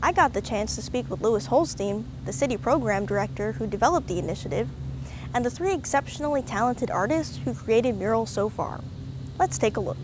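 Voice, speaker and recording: A young woman hosting a show, with a fairly high voice and a bright, polished delivery. She reads a scripted introduction outdoors in a park. Clear outdoor ambient noise sits behind her. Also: animated, brisk. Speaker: show host. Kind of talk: scripted presenting.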